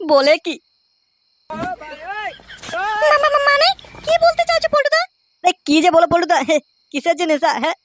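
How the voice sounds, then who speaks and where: Man doing a cheeky, high-voiced Bengali cartoon womanizer. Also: big pitch swings, normal speed, background noise. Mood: nervous, evasive. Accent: West Bengal Bengali. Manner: mocking, evasive, stammers when cornered. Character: cheeky, shifty village womanizer playing innocent. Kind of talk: comic cartoon voice acting.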